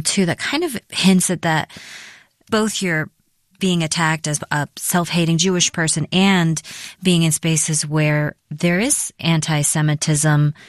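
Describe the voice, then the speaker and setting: Woman, radio news host, low voice, measured questions, dry studio sound. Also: dry recording.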